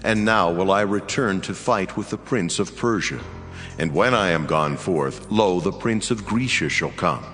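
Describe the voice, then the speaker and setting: A man playing a solemn, mighty angelic messenger in a dramatized scripture reading, measured and commanding. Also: low-pitched, fairly bright tone. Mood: solemn, reassuring. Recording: long reverb, music behind. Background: music.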